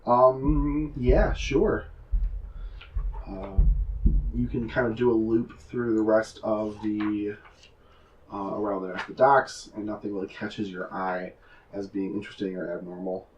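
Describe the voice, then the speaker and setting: A man running a tabletop game as game master, describing scenes with many pauses and fillers. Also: fairly low pitch, steady tone, darkish tone, recorded from a distance, muffled recording, a little hiss or hum. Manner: hesitant, filler-heavy describing.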